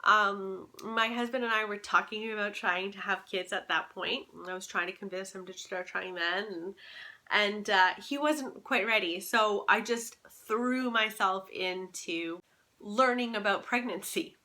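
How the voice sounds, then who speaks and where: A woman's voice: medium pitch, fairly even intonation, measured pace, sharp tone. A young adult woman, chatting casually and emphatically as a book vlogger recommending reads. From Canada.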